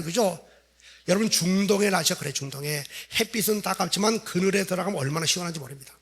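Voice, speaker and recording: A man's voice: sits high, a bit bright. A middle-aged male pastor preaching a revival sermon in a church, telling the story vividly and acting out the quoted lines. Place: church sanctuary.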